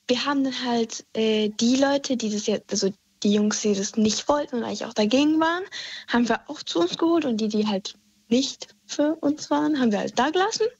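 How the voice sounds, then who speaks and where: A woman's voice: on the high side, a little mellow, husky, no room sound. A young woman calling in to a radio show, telling her story hesitantly with many fillers. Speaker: caller. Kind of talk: phone-in story. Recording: muffled phone line.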